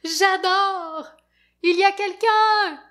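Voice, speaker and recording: A woman voicing a small, excitable boy creature in a costume who babbles in panicky rhymes. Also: sits high, very slow, pitched above the performer's own voice, exaggerated voice. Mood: cheerful. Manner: bouncy, panicky rhyming babble.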